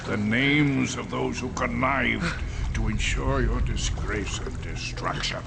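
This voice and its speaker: A gravelly old priest's ghost. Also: male voice, mid-range voice, takes it slowly, very noisy. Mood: solemn. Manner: commanding, urgent, drops to whispers. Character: ghost of an old male priest, solemn mentor. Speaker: the Abbe. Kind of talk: radio drama acting.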